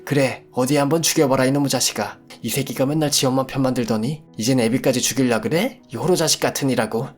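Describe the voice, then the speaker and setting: A man voicing a furious, bullying older father-in-law who shouts and curses in a storytelling radio drama. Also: on the low side, moderate pace, faint music behind. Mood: raging. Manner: shouting, cursing.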